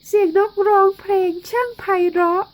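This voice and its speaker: Sweet storybook teacher with a high, sing-song lilt, read by a woman. Kind and gentle. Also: normal speed, rough recording. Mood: cheerful. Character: kind schoolteacher chatting sweetly with kids. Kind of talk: storybook reading.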